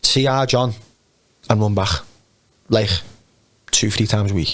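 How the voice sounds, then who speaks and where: Here a man with a Liverpool accent talks at a moderate pace and a fairly low pitch. His loudness stays very even, and his intonation is fairly even. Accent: Scouse (Liverpool). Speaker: professional footballer. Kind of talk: podcast interview, personal story.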